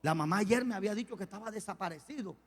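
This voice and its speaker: A man pastor preaches with a fairly high voice. He tells a story and acts out the dialogue, dropping low and then booming out. The sound rings with the long reverb of a church hall. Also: very fast. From Colombia. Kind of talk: sermon.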